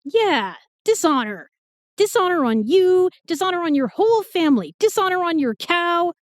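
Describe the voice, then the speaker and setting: Actress doing a cheeky young modern gal, high voice, bouncy intonation, casual, fantasy audio drama. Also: female voice, big pitch swings, normal speed, dry recording, clean studio sound. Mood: teasing. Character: sassy, playful young modern woman in fantasy world.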